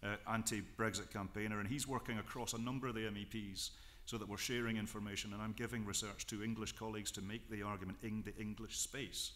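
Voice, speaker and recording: A man with a Scottish accent, fairly low pitch and monotone, flat intonation, at a very fast pace. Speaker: politician. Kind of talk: panel discussion. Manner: emphatic.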